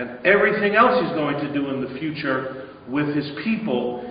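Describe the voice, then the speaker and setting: Over audible room echo, a man talks at a fairly slow pace. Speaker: pastor. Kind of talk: sermon. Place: church. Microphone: podium.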